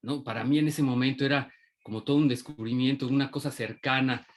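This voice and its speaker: A man's voice: mid-range voice, steady tone, fairly quick. A man with a Mexican accent gives an informal talk about his work, hesitating often and restarting his sentences. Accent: Mexican Spanish. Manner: hesitant, many restarts and fillers. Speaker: invited puppeteer speaker.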